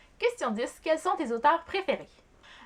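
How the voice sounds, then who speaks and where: A woman with lively intonation. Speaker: book vlogger. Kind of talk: casual vlog talk. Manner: hesitant, many fillers.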